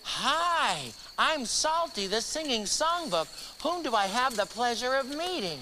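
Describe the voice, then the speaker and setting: An actor playing a kindly singing songbook who leads children, animated and avuncular, in a children's musical audio drama. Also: mid-range voice, a little slow. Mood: friendly. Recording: very noisy, crickets and outdoor ambience.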